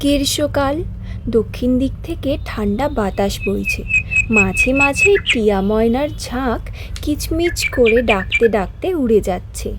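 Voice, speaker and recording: A woman's voice: a little high, heavy background noise. A woman narrating a scripted fairy tale as a storyteller.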